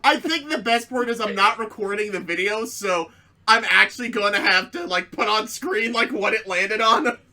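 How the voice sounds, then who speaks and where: A woman's voice: mid-range voice, moderate pace, bright, forceful tone, slight background noise. A woman hosting a comedic dramatic reading, mixing narration with casual banter. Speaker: reader and host.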